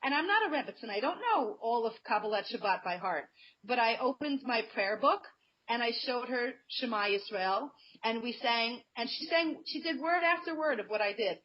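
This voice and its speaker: A woman's voice: on the high side, expressive, moderate pace. A woman guest on a radio talk show, talking earnestly and conversationally and telling personal anecdotes. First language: not Hebrew. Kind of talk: radio interview, personal storytelling. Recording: muffled lo-fi radio sound.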